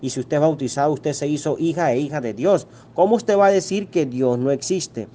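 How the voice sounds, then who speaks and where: Catholic priest preaching with emphatic questions. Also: male voice, fairly high pitch, brisk, warm tone. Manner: emphatic preaching, rhetorical questions, acts out quoted voices. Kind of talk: sermon.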